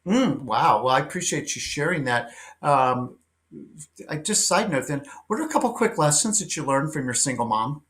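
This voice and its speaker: A man's voice: on the high side, lively intonation, moderate pace, fairly bright tone. A man hosting an interview over a video call, reading a guest introduction and then chatting in an eager, affirming way with many ums and uhs. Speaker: talk show host. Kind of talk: interview, opening with a read introduction.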